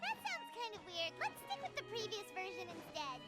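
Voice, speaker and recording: A woman's voice: very high voice, big pitch swings, a little fast, music in the background. A woman voicing a tiny, perky, childlike fairy companion in a video game, chirpy, eager and blunt. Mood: unimpressed. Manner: chirpy, speaks of self in third person.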